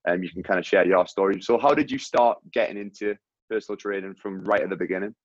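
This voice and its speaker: A man hosting a podcast in casual chat, calling his guest mate, his voice coming through low-quality, lo-fi audio from a faulty mic and a weak connection. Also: quick pace, no room sound. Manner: chatty, friendly, calls the guest mate. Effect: low-quality audio from a faulty mic and wifi. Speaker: podcast host. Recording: dull, lo-fi, dry mic audio.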